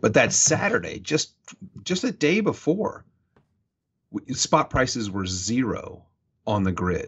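Using vocal fry, a man speaks at a fairly slow pace with very wide pitch swings. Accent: Texan. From Texas. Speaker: former state legislator and energy policy advocate. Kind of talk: interview.

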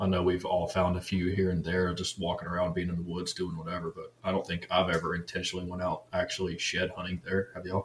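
Very deep and low, a somewhat breathy man's voice runs in a flat monotone at a very fast pace with hardly any pauses. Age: 30s. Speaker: hunter and podcast guest. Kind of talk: casual chat.

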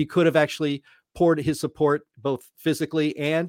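A man speaks in a normal speaking voice at a fairly high pitch and a fairly quick pace, in a very clean recording with a silent background and a dry, close sound with no echo. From Pennsylvania, Pittsburgh. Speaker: think tank executive. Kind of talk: political panel discussion.

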